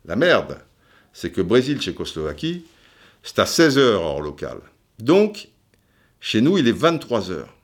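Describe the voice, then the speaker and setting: Chatty low-voiced French podcast man. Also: huge pitch swings, a little slow, pauses often. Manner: chatty, digressive, many fillers and restarts. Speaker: podcast host. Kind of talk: casual storytelling monologue.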